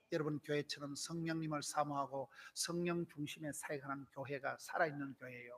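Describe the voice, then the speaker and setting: A man talks at a moderate pace and fairly high pitch, with noticeable noise in the background. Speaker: guest pastor. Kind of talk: sermon. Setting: church revival meeting. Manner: animated.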